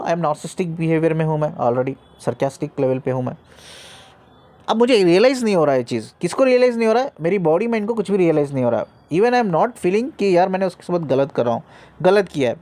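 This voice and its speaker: A man's voice: on the high side, darkish tone. A man giving an earnest spiritual teaching talk, repeating phrases for emphasis and checking in with the listener. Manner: earnest, explanatory, speaks to the listener directly. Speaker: spiritual guide.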